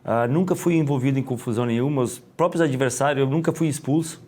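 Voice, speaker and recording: A middle-aged man with a Gaúcho Brazilian accent, a former footballer talking as an interview guest, rambling and halting with many restarts. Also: medium pitch, darkish tone. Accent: Gaúcho Brazilian Portuguese. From Rio Grande do Sul, Brazil. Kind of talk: casual interview.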